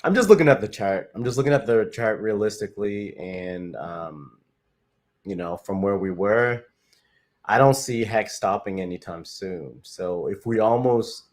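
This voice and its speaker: A man's voice: fairly low pitch, lively intonation, a little slow, darkish tone. A young Canadian man talking casually on a livestream, answering viewer comments in a rambling, upbeat way with lots of fillers and repeated phrases. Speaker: crypto livestream host.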